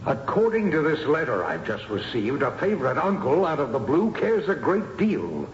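An actor playing a cold, calculating clinic doctor in a 1970s radio drama. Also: male voice, fairly high pitch, wildly swooping pitch. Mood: grim, urgent. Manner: calculating, coolly sinister, measured. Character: cold scheming villainous male clinic doctor. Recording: muffled noisy echoey radio recording.

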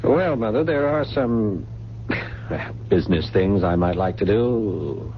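A man's voice: lowish voice, lively intonation, slow pace. A man playing a weak, resentful grown son with a hesitant, uneasy manner in a radio drama. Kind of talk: 1970s radio drama acting. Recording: muffled, noisy, humming radio broadcast.

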